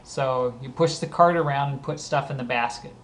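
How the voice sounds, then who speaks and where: A man's voice: medium pitch, normal speed. A man with a Southern California accent and a scratchy voice. He reads a list of words aloud and casually explains how he uses each one. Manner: reads each word, then explains usage conversationally.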